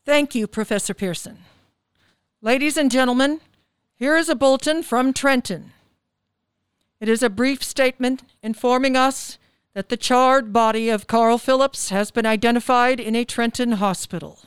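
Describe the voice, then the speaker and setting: A high-voiced, exceptionally clear female radio announcer played by an actress delivers bulletins like an old newsreel. She is composed, formal and measured, in a radio drama. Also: no room sound, natural voice. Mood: grave, formal.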